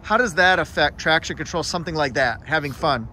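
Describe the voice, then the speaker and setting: A man's voice: on the high side, fairly quick, bright, forceful tone, a little hiss or hum. A man interviewing a mechanic off camera, asking questions in an upbeat, joking way. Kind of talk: dealership video interview.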